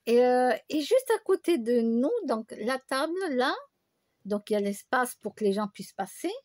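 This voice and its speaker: Rambling, high-voiced woman vlogger. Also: lively intonation, normal speed, darkish tone, no room sound, clean studio sound. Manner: rambling, chatty storytelling with many fillers and restarts. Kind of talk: casual chat to camera.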